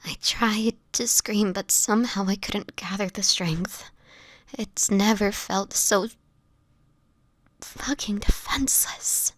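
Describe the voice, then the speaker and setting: A woman voices a sickly, homeless vampire in an intimate audio roleplay, her voice breathy, whispery, and on the high side. She sounds frightened and shaken, telling her story haltingly with hesitant pauses, and the recording is dry.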